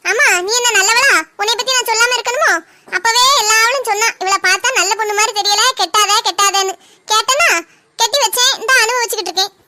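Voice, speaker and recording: A woman voices a young daughter-in-law who quickly argues back in an indignant tone. Her voice is very high and bright, and she talks fast. It is a comic family skit. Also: steady tone.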